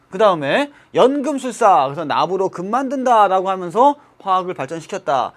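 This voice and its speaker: A man teaching chemistry in a studio lecture for exam students, emphatic and repeating key terms with rhetorical questions. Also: high voice. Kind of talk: televised exam-prep lecture. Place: broadcast studio.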